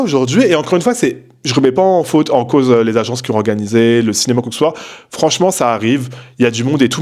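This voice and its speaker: Fast-talking young man rambling. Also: medium pitch. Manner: rambling and slangy, many fillers and restarts. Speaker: content creator. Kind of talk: casual late-night vlog rant. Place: at home.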